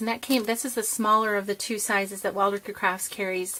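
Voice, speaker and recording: A woman's moderately paced talk comes with noticeable background noise. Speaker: card-making crafter. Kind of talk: tutorial. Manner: hesitant, many fillers.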